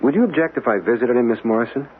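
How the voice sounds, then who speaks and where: An actor playing an earnest, courteous jewelry designer in a radio drama, curious and politely hesitant. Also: male voice, mid-range voice, rapid-fire, close to an everyday voice. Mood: earnest, probing. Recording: tinny band-limited radio recording with hiss.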